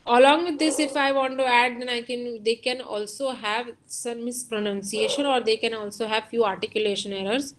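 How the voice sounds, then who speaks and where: A woman's voice: a little high, noisy background. A woman with an Indian accent giving a lecture, explaining step by step and switching between Hindi and English. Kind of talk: online lecture.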